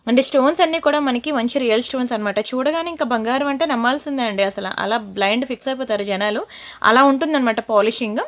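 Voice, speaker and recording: A woman selling jewellery in a brisk, persuasive sales pitch, slipping into scolding asides. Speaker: jewellery seller.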